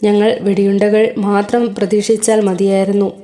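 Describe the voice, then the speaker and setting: A stern former soldier in a serialized story, delivering cutting remarks with a flat, serious deadpan, as a woman narrator gives him voice. The tone stays mellow and dark-edged. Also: medium pitch, normal speed, close to an everyday voice. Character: stern ex-soldier man, dry deadpan wit.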